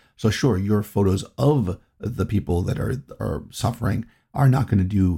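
His pitch is fairly low. This man has a somewhat breathy voice with a dark, mellow tone. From New England. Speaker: podcast host. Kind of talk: solo podcast monologue.

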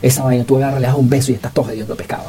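A man with a Venezuelan accent speaks at medium pitch. Noticeable background noise runs underneath. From Venezuela, Valencia (Carabobo). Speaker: podcast host. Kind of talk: casual solo podcast monologue. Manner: halting, many fillers and repeats.

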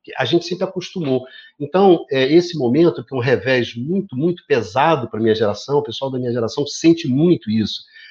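A man with a fairly high, somewhat breathy voice, talking at a fairly quick pace with lively intonation and big swings in loudness. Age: 60s. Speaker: political commentator. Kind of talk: casual chat.

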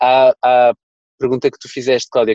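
The speaker is a man. The sound is dry and close, with no echo. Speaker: fado singer. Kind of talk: casual chat.

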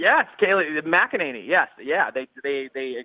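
Here a man talks with an American accent. His pace is moderate. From US Midwest, Minnesota. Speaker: caller. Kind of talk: radio call-in. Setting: phone call.

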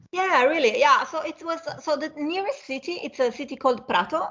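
A woman with an Italian accent. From Italy, Tuscany. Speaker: finance analyst. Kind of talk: interview. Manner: halting, many fillers.

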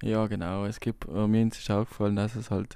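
Spoken in a South Tyrolean accent, the voice has a dark, mellow tone, monotone, flat intonation and a moderate pace. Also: man. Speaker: podcast co-host. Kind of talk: casual chat.

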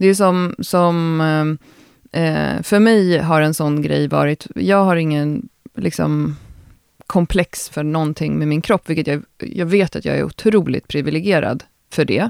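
Dry and close with no echo, the very clean recording with a silent background captures a woman speaking fairly slowly in a very deep, low pitch with ordinary pitch variation. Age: 40s. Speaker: podcast host, strength coach. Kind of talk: casual chat.

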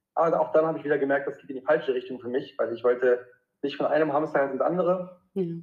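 A man talks in a normal speaking voice, pitched fairly high. His intonation stays fairly even. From North Rhine-Westphalia, Germany. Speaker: real estate investor and entrepreneur. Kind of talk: interview.

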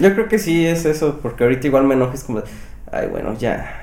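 A man with a Mexican accent, fairly high-pitched and very fast, with lively intonation, audible room echo and noticeable background noise. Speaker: podcast co-host. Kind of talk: casual chat.

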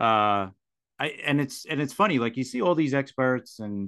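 Against a quiet background, a normal speaking voice moves at a moderate pace with lively intonation. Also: man. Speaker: podcast host. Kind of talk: casual sports podcast chat.

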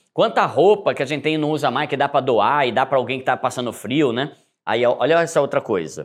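A man's normal speaking voice, fairly high in pitch, with ordinary pitch variation, a fairly quick pace and a quiet background. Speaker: YouTuber. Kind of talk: casual interview chat.

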